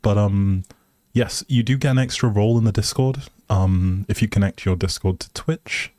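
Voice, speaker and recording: Hosting a casual livestream, a man chats to his viewers in a hesitant, rambling and appreciative way. His voice is lowish and dark in tone at a normal pace, captured as a dry, clean studio recording.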